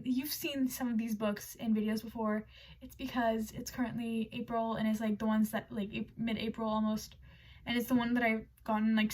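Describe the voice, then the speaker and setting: A young woman showing off a haul, chatting casually in a bubbly, rambling way with many restarts. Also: on the high side. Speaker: book vlogger.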